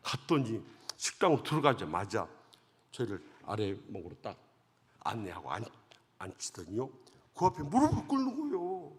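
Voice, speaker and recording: A middle-aged male guest preacher telling a story in an emotional revival sermon, dramatic and swinging from hushed to loud, heard with long church hall reverb. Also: on the low side, huge pitch swings, moderate pace, a little hiss or hum. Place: large church sanctuary.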